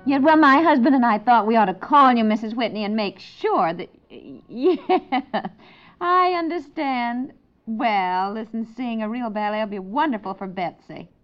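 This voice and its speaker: An actress playing a breezy, sensible American wife and mother who gently teases, in a 1950s radio comedy. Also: on the high side, animated, unhurried, faint music behind. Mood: cheerful, chatty. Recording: dull, lo-fi 1950s radio recording.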